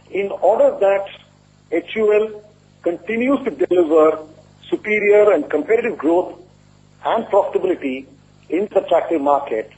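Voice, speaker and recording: A man speaking as a company executive, giving a formal, measured and deliberate earnings presentation. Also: a little high, warm tone. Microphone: conference call line. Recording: muffled lo-fi conference call audio.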